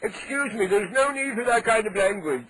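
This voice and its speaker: Playing an indignant, cranky 87-year-old neighbor, a man on a prank call fires off blustering threats with mock-polite outrage. His high voice is animated and comes at a moderate pace. The background is noisy.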